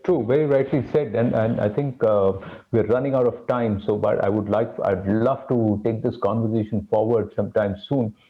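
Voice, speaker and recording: A low-voiced host sums up the discussion in a reflective way. His voice comes through a thin, phone-like line, narrow and tinny. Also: steady tone, normal speed, hardly any pauses. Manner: reflective, wrapping up. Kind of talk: panel discussion.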